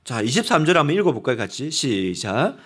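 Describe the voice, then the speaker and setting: A man's voice: medium pitch, sing-song, brisk, a bit bright. A male pastor preaching a Sunday sermon in a church, acting out the voices he quotes. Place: church sanctuary.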